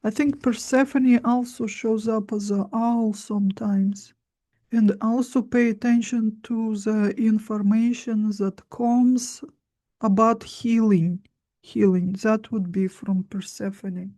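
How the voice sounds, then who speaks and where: Mellow, slow-talking woman teaching. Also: on the high side, steady tone. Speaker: spiritual teacher. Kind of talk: informal instructional talk.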